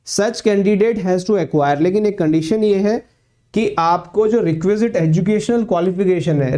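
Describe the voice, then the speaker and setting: A man coaching law students, explaining exam eligibility in a repetitive lecture style and slowly reading official text aloud. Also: high voice, dark tone. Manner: explanatory, repeats points, mixes English phrases; reads notification lines aloud slowly.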